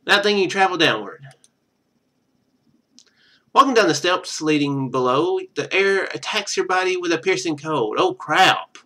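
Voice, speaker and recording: A man's voice: high voice, animated, measured pace, pauses often, pushed and bright. A man streaming a game, reading its narration aloud and breaking off into rambling, chatty casual commentary. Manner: rambling, chatty asides between read passages.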